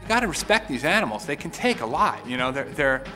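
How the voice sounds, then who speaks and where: A man who co-created a game, reflecting in a documentary interview, halting and repeating words as he thinks. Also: on the high side, sing-song, bright, forceful tone. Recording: reverberant room with faint music.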